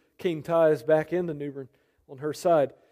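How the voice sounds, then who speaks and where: A man speaks with a strong eastern North Carolina accent. He talks at a fairly quick pace. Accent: strong Down East North Carolina. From North Carolina coast, Down East Carteret County. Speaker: guest preacher. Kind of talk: sermon. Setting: church with congregation. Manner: animated.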